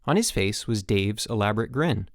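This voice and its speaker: A man's voice: fairly low pitch, lively intonation, moderate pace, dry recording, clean studio sound. A man narrating fiction as a scripted audiobook reading.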